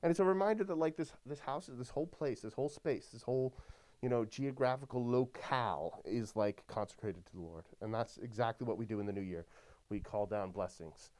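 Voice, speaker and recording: A man's voice: mid-range voice, fairly quick, a little mellow. A man, a Catholic priest, talking in casual podcast chat in an easygoing way, with lots of "like" and "you know.".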